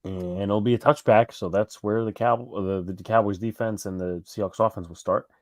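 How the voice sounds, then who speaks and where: A man's voice: fairly low pitch, steady tone, moderate pace, dry recording, studio quality. A man with a New York accent co-hosting a live fan stream, calling plays and chatting with viewers in a rambling, self-correcting way. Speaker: live stream co-host doing play-by-play. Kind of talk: casual live play-by-play and fan chat.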